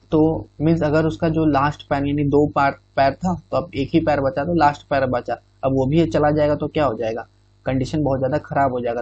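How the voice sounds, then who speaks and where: A man's voice: medium pitch, a little mellow, no room sound. A male exam-prep teacher explaining idioms in Hindi with English phrases, often checking in with "theek hai". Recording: dull, muffled recording.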